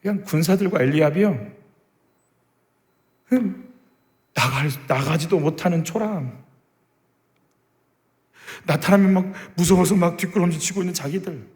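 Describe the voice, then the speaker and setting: Brief: male pastor preaching, emphatic rhetorical questions, fairly high voice, long church reverb. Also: moderate pace, long pauses, a little mellow. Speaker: senior pastor. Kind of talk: sermon. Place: church sanctuary.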